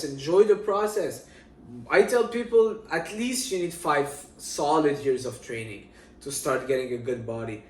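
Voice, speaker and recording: A man from Syria in his thirties, giving fitness advice in casual talk to camera and repeating his key points. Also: fairly high pitch. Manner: emphatic, repeats key points, addresses viewers as guys. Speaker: fitness vlogger. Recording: roomy, distant from the mic.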